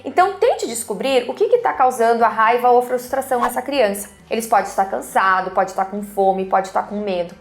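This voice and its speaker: A woman with a Brazilian Portuguese accent hosting a parenting channel, explaining advice to the camera in an earnest way and often tagging her sentences with questions. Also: on the high side. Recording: roomy echo.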